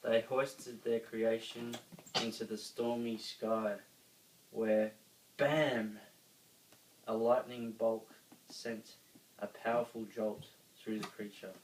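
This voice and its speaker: A man with an Australian accent reads a children's story aloud, dramatically, with emphatic pauses. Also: on the low side, little pitch movement. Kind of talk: expressive children's story reading. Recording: roomy, distant mic, faint noise.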